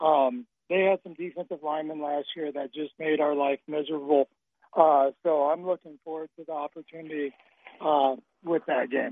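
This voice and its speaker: A man with an American accent uses an ordinary speaking voice, fairly high in pitch, at a moderate pace with fairly even intonation. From Ohio. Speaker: high school football coach. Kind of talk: radio interview.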